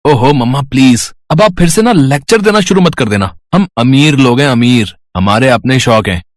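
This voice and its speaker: A man's voice: mid-range voice, expressive, moderate pace, dry recording, clean studio sound, lightly acted. A man playing a spoiled, arrogant rich young son in a dramatised story, entitled and mocking, dropping in English words. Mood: whiny, demanding. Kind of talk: dramatised Hindi story acting.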